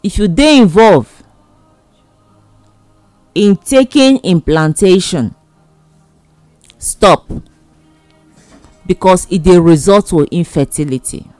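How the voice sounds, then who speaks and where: Slow, emphatic Nigerian Pidgin advice voice. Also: mid-range voice, animated, a little mellow, no room sound, soft background music. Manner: emphatic, repetitive, exhorting.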